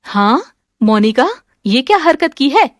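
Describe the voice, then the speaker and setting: A woman's voice: high-pitched, sing-song, measured pace, no echo, clean studio sound. A woman doing a stern scolding mother-in-law.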